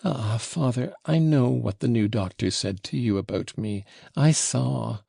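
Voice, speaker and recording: A man's voice: medium pitch, unhurried, vocal fry, dark tone, breathy edge, no room sound, studio quality, full character voice. A man voicing a sick, tender little boy in an audiobook, pleading in an earnest, plaintive way. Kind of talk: audiobook character voice.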